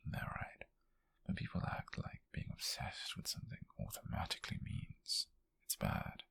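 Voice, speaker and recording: A man acts out a possessive British admirer in an intimate ASMR roleplay. His voice is slow and extremely gravelly, sliding between breathy whispers and low murmurs with big swings in pitch. He speaks close to the microphone, halting and intense, fixated on the one he loves. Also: a bit bright, exaggerated voice. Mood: brooding, obsessive.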